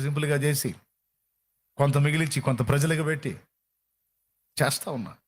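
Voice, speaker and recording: A man preaching a sermon with fervor, repeating phrases for emphasis. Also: on the high side. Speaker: pastor.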